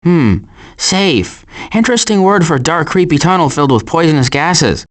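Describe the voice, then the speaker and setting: Wisecracking, deadpan cartoon animal adventurer. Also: male voice, on the high side, normal speed. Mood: dry, sardonic. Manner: dry sarcasm, deadpan asides. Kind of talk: animated video game voice acting.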